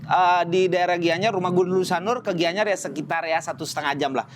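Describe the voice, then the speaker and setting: A young man born in Spain and raised in Bali, speaking Indonesian with a Medan-style accent, telling his story in an animated, slangy way as a podcast guest. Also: high-pitched, fairly quick. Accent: Indonesian with a Medan-style lilt. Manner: animated, slangy, jumps into voices and sung bits. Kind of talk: casual storytelling chat.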